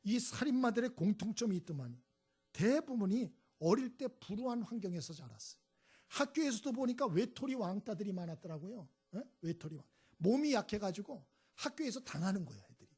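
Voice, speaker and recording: A man's voice: high-pitched, big pitch swings, a little fast, a little mellow, slightly rough. A male pastor preaching a sermon, telling stories and prodding the congregation with short questions. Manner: storytelling, prods the congregation with "예?" and "음?".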